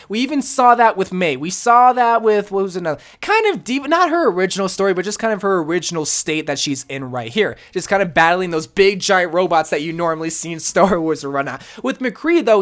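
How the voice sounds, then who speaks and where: A woman hosting a casual gaming video, her voice slightly hoarse and raspy from being sick, chatty and full of slang. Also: mid-range voice. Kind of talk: casual commentary.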